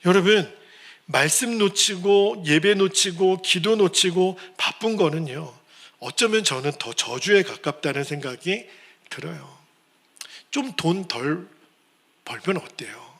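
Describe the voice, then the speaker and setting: Earnest pastor, bright voice. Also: male voice, high voice, expressive, measured pace, husky. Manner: earnest, pleading, acts out quoted voices. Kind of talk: sermon.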